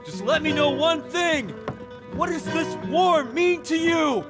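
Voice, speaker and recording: A desperate shouting man. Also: extremely high pitch, animated, takes it slowly, music in the background, exaggerated voice. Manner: shouting, pleading.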